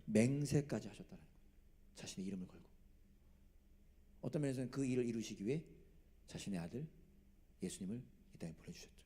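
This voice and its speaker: A man preaching a sermon as pastor, animated, throwing rhetorical questions at the congregation and dropping from loud to hushed, with self-mocking jokes. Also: lowish voice, quick pace, long pauses. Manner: jokes about himself.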